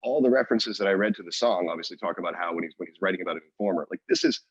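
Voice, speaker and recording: Deep husky rambling male podcaster. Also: racing, dry recording, dull audio. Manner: rambling storytelling with many restarts and fillers. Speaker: podcast co-host. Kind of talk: casual chat.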